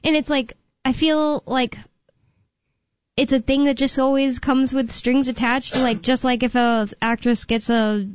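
A woman's voice: high-pitched, little pitch movement, a little slow, clear, resonant tone, highs cut off. A woman in her late twenties hosting a talk radio show, chatting casually and often restarting her sentences. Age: 20s.

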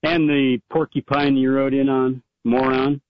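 A man's voice: medium pitch, little pitch movement, unhurried, no echo, lo-fi sound. A man calling in to a talk show, arguing casually and insultingly, repeating himself and talking over others. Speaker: caller to a talk radio show. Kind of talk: casual argumentative banter.

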